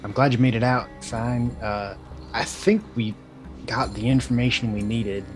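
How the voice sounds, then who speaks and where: A man playing a tabletop game, laying out a plan in a measured way. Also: medium pitch, steady tone, over music. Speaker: player. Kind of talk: tabletop role-play chat.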